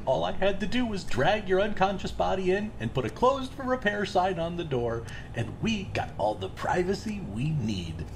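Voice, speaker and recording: A breezy, self-righteous serial killer played by an actor in an audio drama. The voice is casual and chatty, swinging widely in pitch, over faint background noise. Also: very animated, normal speed, vocal fry. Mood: casual, probing. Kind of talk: full-cast audio drama acting.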